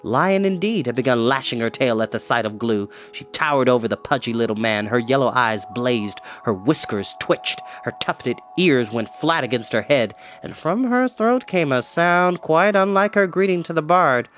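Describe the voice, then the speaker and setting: A man reading a storybook aloud as an expressive narrator. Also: medium pitch, normal speed, hardly any pauses. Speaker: storyteller, host.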